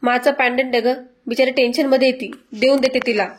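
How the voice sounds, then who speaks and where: A woman's voice: high voice, steady tone, brisk. A woman voicing a scheming, gossipy young woman in a family drama recap. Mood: anxious. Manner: mocking, gossipy. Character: scheming young woman, sharp-tongued, gloating.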